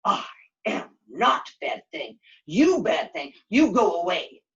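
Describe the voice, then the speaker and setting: A woman voicing a grumpy forest monster in a puppet show, blunt and gruff, talking in broken grammar. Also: mid-range voice, big pitch swings, takes it slowly, a bit bright, muffled recording, full character voice. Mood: indignant. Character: grumpy forest monster, blunt, easily exasperated, secretly kind.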